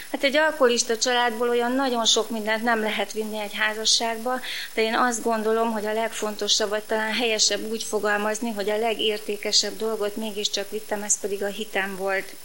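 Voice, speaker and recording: Speaking at a fairly quick pace with hardly any pauses, a woman with a fairly high pitch uses monotone, flat intonation. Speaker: churchgoer giving testimony. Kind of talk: testimony.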